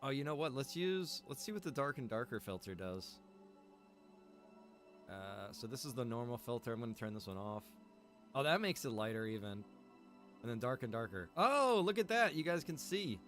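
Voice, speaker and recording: A man with a lively, swinging pitch talks casually on a game stream. He is chatty and informal, thinking out loud for his viewers, with music playing behind him. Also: normal speed. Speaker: live streamer.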